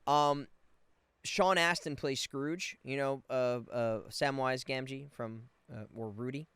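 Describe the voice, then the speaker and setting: A man's voice: mid-range voice, slow pace, fairly bright tone, smooth, no room sound. A man giving casual, playful live commentary as a game streamer, with wry asides. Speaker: streamer and voice actor.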